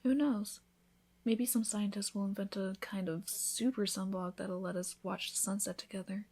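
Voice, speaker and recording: A woman playing a devoted newlywed vampire wife in an intimate ASMR roleplay, speaking softly, often in a whisper, with an affectionate, reassuring manner. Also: mid-range voice, fairly even intonation, normal speed. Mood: hopeful, tender. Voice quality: soft, breathy, often whispered.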